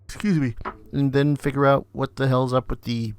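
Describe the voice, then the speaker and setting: A man's voice: mid-range voice, steady tone, moderate pace, clear, resonant tone. A man giving casual let's play commentary, musing aloud in a dry, mildly irreverent way. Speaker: gaming video host.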